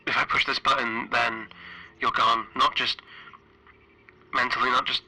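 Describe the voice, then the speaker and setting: A man playing a weary, guilt-ridden stranded flight engineer, recording a halting, hesitant horror roleplay log with a radio-like sound. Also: medium pitch, level tone, sharp tone, a little hiss or hum, poor audio. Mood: distraught. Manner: halting, hesitant, self-questioning. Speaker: solo tabletop RPG player. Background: music.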